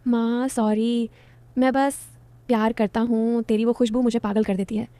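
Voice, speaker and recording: Woman doing a young stepson, pleading, suggestive, mellow tone, dry close sound. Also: fairly high pitch, fairly quick, dry recording, close to an everyday voice. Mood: tearful.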